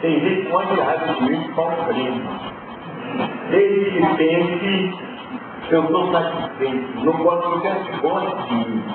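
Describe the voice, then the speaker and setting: A man's voice: fairly high pitch, animated, measured pace, noisy background. A man teaching a class, talking in a provocative, emphatic way and throwing rhetorical questions at his students. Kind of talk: spiritual lecture to a class. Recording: distant, phone-like, echoey hall recording with loud ambience.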